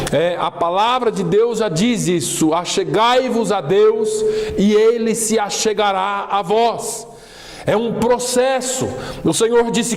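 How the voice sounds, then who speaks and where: A male pastor preaching a sermon earnestly, quoting scripture slowly and swelling louder for emphasis. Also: sits high. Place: church. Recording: echoey church hall.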